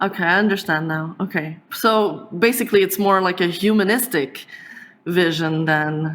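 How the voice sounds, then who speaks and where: A woman with a French Canadian accent, medium pitch, ordinary pitch variation and a moderate pace. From Quebec, French Canada. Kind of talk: casual debate discussion. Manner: halting, hesitant.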